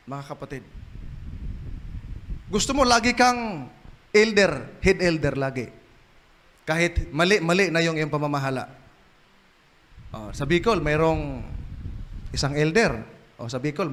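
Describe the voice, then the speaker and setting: A male preacher from the Philippines giving a church sermon, telling stories and building to loud, emphatic peaks. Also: on the high side.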